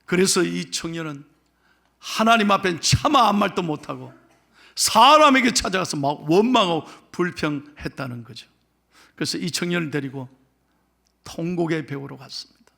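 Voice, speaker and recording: Male pastor, sermon, sharp bright voice with gravelly edges, big loud-to-hushed swings. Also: on the high side, animated, normal speed. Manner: dramatic swings from loud emphasis to hushed asides. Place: church.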